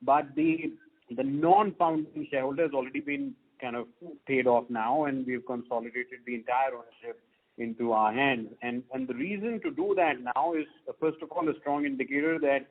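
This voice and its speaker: Over a thin, tinny phone line, an Indian-accented man answers business questions as a company executive. His voice sits at a middling pitch. He speaks off the cuff and stresses points by repeating words. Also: moderate pace. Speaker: company executive on an earnings call. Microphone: conference call line.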